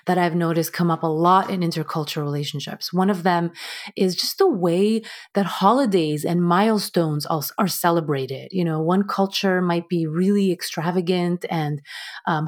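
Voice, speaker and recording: Measured woman relationship coach. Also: lowish voice. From United States. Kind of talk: interview guest, explaining.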